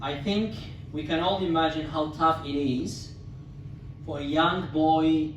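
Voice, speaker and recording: A man from Somalia in his thirties, giving a prepared, formal talk as a guest speaker at a club dinner, with measured delivery and occasional restarts. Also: fairly high pitch, fairly even intonation, far from the mic, a little hiss or hum. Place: club meeting room. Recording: echoey hall, speaker away from mic.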